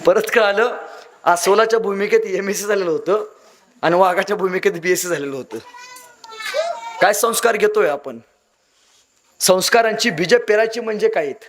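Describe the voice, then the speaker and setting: A man giving a motivational speech to young people, telling stories dramatically and swinging between loud appeals and hushed lines. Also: high-pitched, moderate pace, long pauses. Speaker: motivational speaker.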